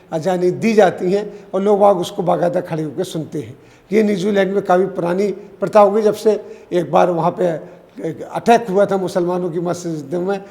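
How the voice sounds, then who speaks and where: Guy with a high voice doing news commentary, off the cuff, lots of restarts, long echo. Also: a little mellow. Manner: unscripted, with fillers and restarts.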